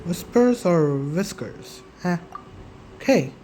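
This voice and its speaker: A gaming YouTuber giving casual, halting gameplay commentary, often muttering to themselves. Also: mid-range voice, sing-song, dark tone. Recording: faint game music behind.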